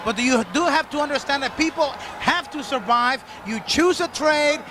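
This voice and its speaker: A man doing lucha libre announcer commentary as a show host, with emphatic, dramatically drawn-out phrasing. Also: very high voice. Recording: noisy archival arena broadcast, crowd behind. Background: loud wrestling crowd.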